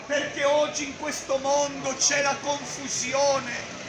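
A middle-aged man preaching loudly on a busy town street, declaiming and gesturing, filmed from a distance by a camera. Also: very high voice, little pitch movement, takes it slowly. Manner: loud, declaiming, gesturing with a Bible. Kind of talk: open-air street preaching. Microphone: far camera. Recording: echoey street with crowd noise. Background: crowd and passers-by.

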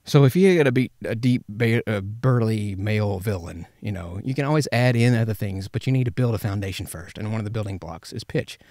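A man's voice: fairly low pitch, a little fast, few pauses, a little mellow, no room sound. A man in his thirties giving informal voice acting instruction in a conversational way on a studio mic. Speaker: professional voice actor giving tips. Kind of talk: informal instructional talk to camera. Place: small padded vocal booth, indoors. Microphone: studio condenser with pop filter.

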